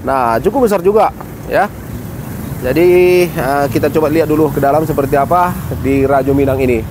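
A man in his forties hosting a casual travel vlog. He speaks in a friendly, unhurried way into a phone held at arm's length outdoors, and exclaims at the views. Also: a little high, noisy background. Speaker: travel vlogger. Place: outdoors by a lake.

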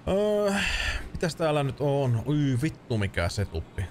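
A man's voice: medium pitch, big pitch swings, darkish tone, a little hiss or hum. Swearing, joking man streamer. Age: 30s. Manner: swears often, joking and rambling. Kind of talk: casual let's-play commentary.

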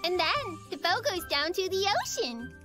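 A small, curious female cartoon rabbit, very high and lilting. She speaks slowly and sweetly, wide-eyed, with music playing behind. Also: sing-song. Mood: gentle storytelling. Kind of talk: children's cartoon acting. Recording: prominent children's music behind voice.

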